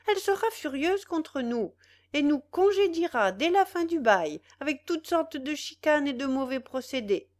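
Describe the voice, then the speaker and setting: Spoiled, wheedling young woman, pitched high and bright, read by a woman. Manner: wheedling yet commanding. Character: sly, spoiled young woman, petulant and coaxing.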